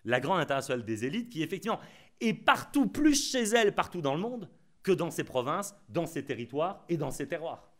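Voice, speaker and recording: Lively ironic man lecturing. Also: a little high, brisk. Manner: ironic, emphatic, repeats key phrases. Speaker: conference speaker. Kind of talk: lecture at a conference.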